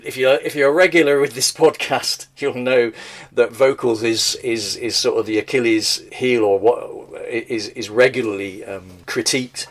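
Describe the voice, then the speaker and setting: A man's voice: mid-range voice, steady tone, moderate pace. A man hosting a podcast, talking casually and self-deprecatingly about music he has written, in a slightly thin voice. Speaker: podcast host and songwriter.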